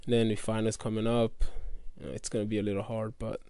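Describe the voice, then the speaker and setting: Young man, dark voice. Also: fairly low pitch, little pitch movement, fast, creaky, smooth, no room sound, studio quality. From Congo. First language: French. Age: young adult. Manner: earnest, loose phrasing with many fillers. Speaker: college athlete guest. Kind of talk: casual interview answers.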